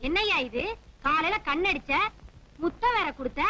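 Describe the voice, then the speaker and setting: An actress playing a sharp-tongued young policewoman who scolds and orders people about. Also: very high-pitched, expressive, normal speed, exaggerated voice, poor audio. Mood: bossy. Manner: scolding, bossy. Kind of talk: 1990s Tamil film comedy.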